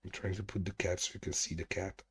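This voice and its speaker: A man's voice: sits low, level tone, fast talker, a little hiss or hum. A man from Hungary, chatting casually with viewers on a livestream from home, rambling, restarting his sentences and swearing freely. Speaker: streamer hosting a chat hangout.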